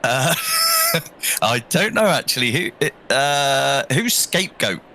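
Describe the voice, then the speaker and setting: A man's voice: medium pitch, very animated, slow pace, background noise. A man acting as co-commentator, friendly and agreeable with the drivers.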